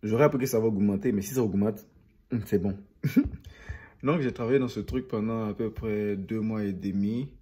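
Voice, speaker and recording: A man's voice: on the low side, moderate pace, mellow, slightly rough. A young man chatting casually to viewers as a vlogger, rambling and repeating phrases for emphasis. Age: young adult.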